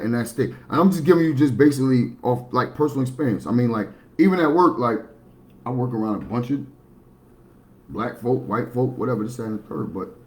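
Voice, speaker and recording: A baritone-voiced man hosts a livestream, talking bluntly and matter-of-factly in a rambling monologue.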